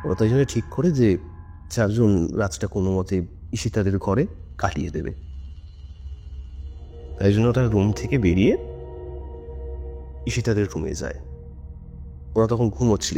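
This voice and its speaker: A man's voice: on the low side, expressive, normal speed, long pauses, dark tone. A man telling a story in an informal, conversational and suspenseful way, as on a ghost story podcast. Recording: music under the voice. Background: background music.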